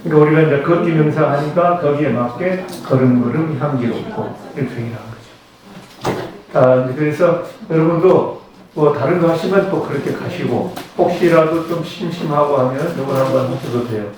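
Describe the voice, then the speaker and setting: A man's voice: a little high, noisy background. Older man lecturing in an echoey room. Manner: conversational, leads slow chanting. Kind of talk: Buddhist lecture. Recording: very echoey room, distant mic.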